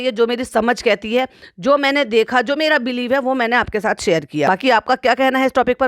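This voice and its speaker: A woman with a fairly high voice hosts a casual YouTube commentary monologue, recorded clean in a studio with no room sound. She's chatty and repetitive, repeating phrases and tossing in frequent exclamatory "bhai sahab" asides.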